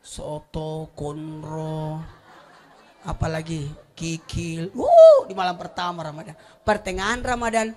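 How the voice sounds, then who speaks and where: A man preaching a sermon, animated and humorous, moving from soft storytelling to loud exclamations. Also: fairly high pitch, takes it slowly, slight background noise. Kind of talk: sermon at a religious gathering.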